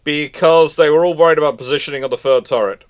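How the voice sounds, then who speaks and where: A slightly high voice with a clean tone comes from a British host of a live Q&A stream, talking fast. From the United Kingdom, he gives casual, wandering, opinionated expert commentary and tends to repeat himself.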